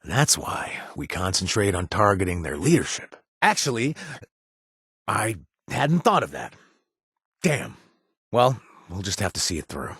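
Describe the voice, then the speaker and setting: A husky, wry ex-raider bartender. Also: male voice, fairly low pitch, very animated, a little slow, long pauses, fairly bright tone, dry recording, studio quality, exaggerated voice. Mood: earnest. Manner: sardonic, joking, then earnest and grateful. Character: gruff washed-up male ex-raider bartender, wry. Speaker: game companion character. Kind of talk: video game voice lines.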